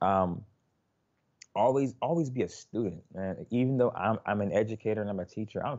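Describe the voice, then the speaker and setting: At a moderate pace broken by long, frequent pauses, a man speaks with a fairly low pitch and ordinary pitch variation. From Pittsburgh, Pennsylvania. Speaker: bassist. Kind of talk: casual interview.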